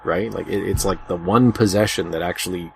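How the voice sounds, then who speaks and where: A man's voice: low voice, brisk, gravelly, a crowd in the background. A man hosting a casual panel discussion, thinking aloud in a hesitant way. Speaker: podcast host. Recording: noisy lo-fi amateur podcast audio.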